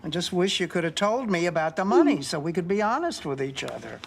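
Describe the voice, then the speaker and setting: An actress playing a dry, sardonic middle-aged daughter in a 1980s sitcom, with deadpan put-downs. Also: female voice, on the low side, brisk, creaky, a little hiss or hum.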